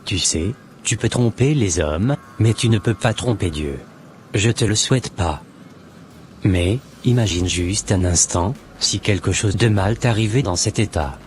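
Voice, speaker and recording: A man's voice: lowish voice, expressive, a little slow, a little hiss or hum. A man playing a newly converted Christian man in a cartoon, who speaks earnestly and exhorts others. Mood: exhorting.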